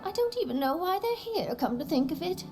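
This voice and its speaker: A woman playing a dotty, wealthy little old lady with a halting, fluttery, imperious manner. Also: very high voice, sing-song, music in the background. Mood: flustered, indignant.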